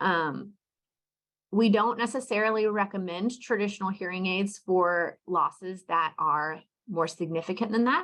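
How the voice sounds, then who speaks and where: A woman's voice with very even loudness and ordinary pitch variation. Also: medium pitch for a woman. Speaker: audiologist. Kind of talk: lecture. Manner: fast.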